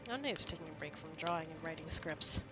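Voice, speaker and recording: A woman's voice: deep voice, lively intonation, fairly quick, over music. A woman chatting casually with her live viewers while sick, rambling and laughing easily. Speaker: streamer.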